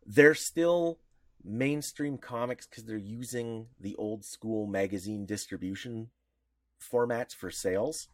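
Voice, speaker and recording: A man co-hosting a podcast, explaining at length with many restarts and sudden lifts in pitch. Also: slow pace, dry recording, clean studio sound. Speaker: podcast co-host. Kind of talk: casual podcast discussion.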